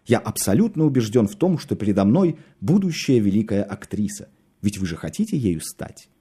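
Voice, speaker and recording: A man voicing a smooth-talking male artist who flatters and charms a spoiled child with gallant, honeyed politeness, read aloud in an audiobook. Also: fairly low pitch, brisk. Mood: charming.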